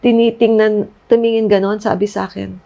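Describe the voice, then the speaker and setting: A woman's voice: medium pitch, level tone, brisk, vocal fry, dark tone, lo-fi sound. A middle-aged woman with a Filipino accent giving a personal testimony as a guest, mixing Tagalog and English as she recounts what was said. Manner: recounts quotes, switching between Tagalog and English.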